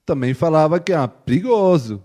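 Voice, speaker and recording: A man speaking Portuguese as a second language with a European Portuguese accent, explaining things in a casual interview and often pausing to restart his phrases and checking in with his listeners. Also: on the high side, lively intonation, warm tone. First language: not Portuguese. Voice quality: hesitant, with frequent restarts and filler checks. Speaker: missionary guest.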